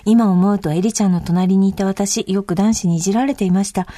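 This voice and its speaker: A woman's voice: mid-range voice, fairly even intonation, brisk, dry recording. A middle-aged woman hosting a radio talk show, chatting casually and reading listener letters aloud. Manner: warm chatty reactions, reads letters aloud.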